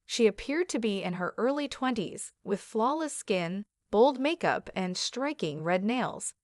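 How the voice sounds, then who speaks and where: A woman's voice: medium pitch, expressive, unhurried, no echo. Woman narrating a story, dry close sound. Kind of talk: first-person story narration.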